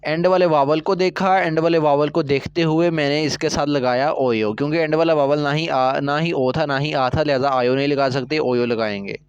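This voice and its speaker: Clear-voiced man teaching a language lesson. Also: on the high side, steady tone, moderate pace, few pauses, muffled recording. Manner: explains step by step, checks with "theek ho gaya?". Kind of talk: recorded language lecture.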